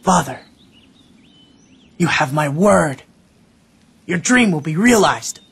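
An earnest young warrior in a game cutscene, his voice high and husky. He vows slowly and solemnly. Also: expressive, a bit bright, full character voice. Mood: vowing. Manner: solemn and vowing. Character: earnest young male warrior, devoted son.

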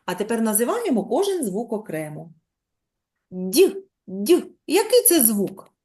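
A woman teacher with a fairly high, very lively voice leads a lesson for young pupils. She stretches words out slowly and sounds out letters and syllables one at a time, then asks patient questions to draw out answers. Her voice rises and falls a great deal as she teaches. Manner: drawn-out, slow dictation, sounding out letters and syllables. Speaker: primary school teacher. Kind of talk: online lesson for young children.

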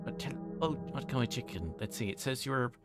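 A man livestreaming a visual novel, moving between quiet reading aloud and halting, casual chat. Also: medium pitch, lively intonation, over music. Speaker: livestreamer playing games.

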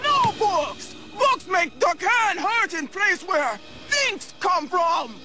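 A woman's voice: very high voice, very animated, takes it slowly, bright, forceful tone, shouting, full character voice. A woman voicing a hulking, dim cartoon brute woman who bellows in broken caveman grammar. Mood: bellowing defiance. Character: hulking, brutish, dim muscle-bound young woman. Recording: music behind.

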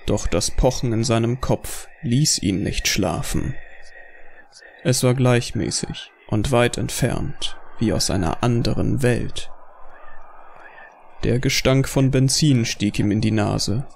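A man's voice: medium pitch, slow pace, gravelly, slight background noise. A man reading scripted narration for a horror audio drama as its narrator. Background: faint music.

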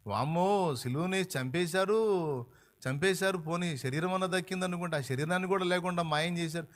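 A man preaching a sermon as a pastor, telling a story fervently and swinging between hushed and loud passages. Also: high voice, brisk.

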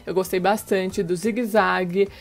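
A woman's voice: medium pitch, steady tone, normal speed, vocal fry. A woman in her thirties with a Brazilian accent, presenting a casual tutorial as a channel host on a lapel mic. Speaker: host of a cake decorating channel. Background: background music.

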